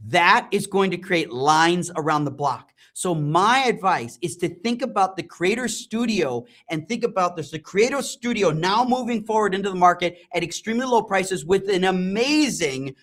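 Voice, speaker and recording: A middle-aged man hosting a live-streamed product talk and software demo, enthusiastic and rambling, with frequent ums and restarts. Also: high-pitched, lively intonation, normal speed, few pauses. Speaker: host and company CEO.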